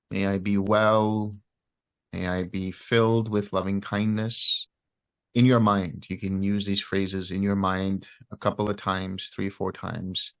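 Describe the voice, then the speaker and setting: A man leads a guided meditation as a teacher, speaking gently and unhurriedly with pauses between short phrases. His voice is fairly low, and the recording is studio quality with no room sound.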